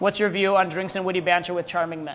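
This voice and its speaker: This man speaks in an American accent, with a high pitch and fairly even intonation. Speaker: dating coach. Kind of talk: workshop lecture. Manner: casual, filler-heavy.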